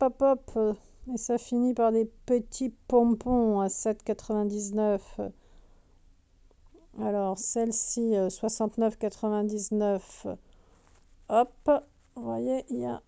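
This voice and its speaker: A woman narrates a casual shopping vlog from a large discount store's shoe section, rambling with "euh" and "hein" and reading off prices. Her mid-range voice is gravelly, dark and smooth, roughened a bit by a sore throat from mask-wearing.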